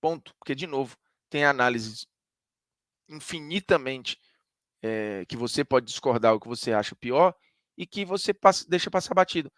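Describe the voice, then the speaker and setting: A male sports commentator with a Northeastern Brazilian accent talks through his opinions in an emphatic, conversational way. His pitch sits in the middle range for a man. The recording is dry and close, with no room sound. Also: expressive, normal speed, a bit bright, no room sound. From Ceará, Brazil. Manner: emphatic, conversational, argues point by point.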